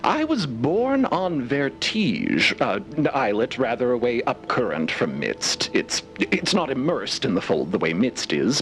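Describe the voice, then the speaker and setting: A man's voice: lowish voice, a bit bright, a little hiss or hum, heavily acted, poor audio. A man playing an optimistic, erudite cosmologist in an audio drama interview, with florid, theatrical phrasing. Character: eager, optimistic, erudite male professor and cosmologist.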